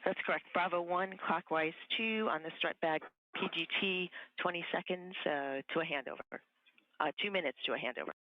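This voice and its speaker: A woman relays instructions and readbacks in short, clipped procedural calls over a mission radio comm loop. Her voice carries a gravelly fry and the sound is muffled and lo-fi. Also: on the low side, moderate pace, no echo. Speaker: spacewalk communicator.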